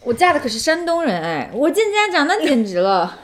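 A woman co-hosting a casual podcast chat, telling anecdotes in a lively way and laughing as she goes. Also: high-pitched, a little fast, noisy background. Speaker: podcast co-host.

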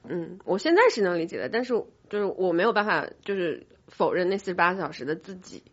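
Fast-talking woman in candid podcast chat. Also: lowish voice, lively intonation, husky. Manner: candid, self-critical. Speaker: podcast host, company boss. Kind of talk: casual panel chat. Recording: dull, band-limited sound.

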